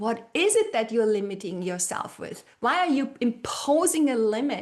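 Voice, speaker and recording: A high-pitched woman's voice with a non-native accent, at a fairly slow pace. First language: not English. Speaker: branding coach. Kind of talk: podcast interview. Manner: halting, many fillers.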